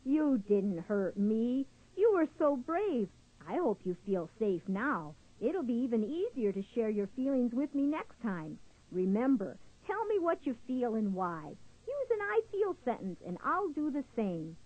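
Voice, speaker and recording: A woman voicing a gentle, kind squirrel who speaks in a soothing, reassuring way. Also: fairly high pitch, sing-song, a little slow, slightly rough, full character voice. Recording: dull lo-fi recording.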